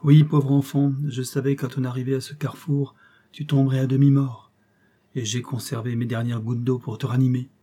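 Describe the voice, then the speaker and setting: A man's voice: medium pitch, level tone, brisk, mellow, husky, natural voice. A man voicing a fierce, stubborn old professor. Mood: tender urgent. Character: fierce elderly male professor, stubborn and driven.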